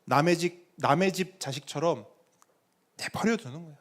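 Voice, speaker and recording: A middle-aged man preaching a sermon as pastor, with dramatic pauses and acted-out quotes. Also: fairly high pitch.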